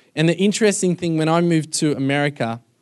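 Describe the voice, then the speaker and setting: The speaker is a man with an Australian accent. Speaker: pastor. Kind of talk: sermon.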